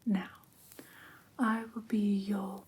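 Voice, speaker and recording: A woman voicing a prim, strict vampire teacher in a soft, breathy whisper, formal and precise, for an ASMR roleplay class. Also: medium pitch, level tone, heavily acted. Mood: formal, instructive. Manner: formal, precise, deliberate, theatrically stern. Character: prim, strict female vampire teacher of human pet care. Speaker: ASMR performer.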